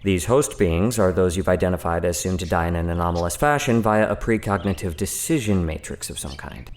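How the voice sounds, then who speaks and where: A man's voice: low voice, animated, fairly quick, slight background noise. A man playing an earnest, inquisitive research doctor in an audio drama, polite and precise but slightly awkward. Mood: analytical.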